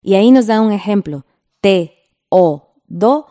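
A woman teaching a radio class, reading a scripted lesson in a slow, patient way and drawing out the example words. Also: mid-range voice, expressive, mellow.

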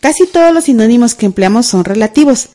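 Woman, calm radio co-teacher, mellow voice. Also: fairly high pitch. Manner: calm, explains slowly and clearly. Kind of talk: radio school lesson.

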